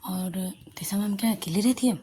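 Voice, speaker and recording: A woman voicing a curious young female friend who asks prying questions in a hushed, whispery voice. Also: medium pitch, a little fast, a little hiss or hum, lightly acted.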